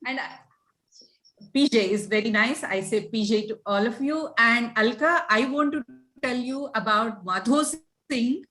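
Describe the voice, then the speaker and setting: Fairly high-pitched Indian woman moderator. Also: a little slow, sharp tone, faint music behind, rough recording. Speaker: session moderator. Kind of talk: conversational hosting.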